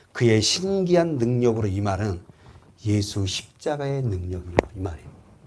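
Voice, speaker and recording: A man speaks at a fairly low pitch and a moderate pace. Audible room echo is present. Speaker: pastor. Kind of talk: sermon.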